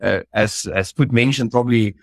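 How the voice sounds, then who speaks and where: Rambling rugby pundit. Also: male voice, mid-range voice, moderate pace, vocal fry, dry recording. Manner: rambling, hesitant. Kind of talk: podcast discussion.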